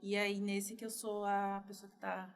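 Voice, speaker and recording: A woman from Northeast Brazil, a developer guest telling her career story in a relaxed, chatty interview. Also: mid-range voice, normal speed, soft background music. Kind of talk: casual podcast interview.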